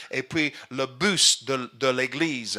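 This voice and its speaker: Pitch moves in an ordinary way. The voice has a bright, sharp tone. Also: man. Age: 40s. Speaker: pastor. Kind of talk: sermon.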